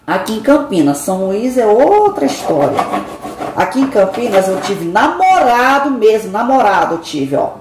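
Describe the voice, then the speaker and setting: A woman's voice: medium pitch, very animated, normal speed. Middle-aged woman, confiding kitchen chat, echoey room with background noise. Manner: chatty, confiding, dramatic sighs. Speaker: vlogger. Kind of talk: casual chat. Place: home kitchen.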